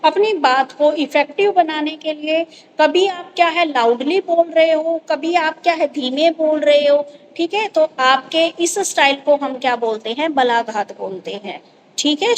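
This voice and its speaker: A woman's voice: high voice, a little hiss or hum, rough recording. A woman teacher explaining grammar to students, going over each point patiently and checking that they follow.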